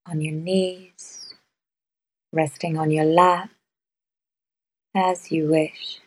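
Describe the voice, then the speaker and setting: A woman guiding a meditation in a soft, measured way, with long pauses between phrases. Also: sits low, level tone, rough recording. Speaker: meditation guide. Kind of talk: guided meditation.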